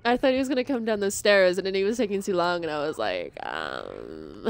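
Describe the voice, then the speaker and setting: A woman giving casual gameplay commentary, jumpy and quick to laugh, swearing often. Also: mid-range voice, sing-song, gravelly. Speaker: gamer.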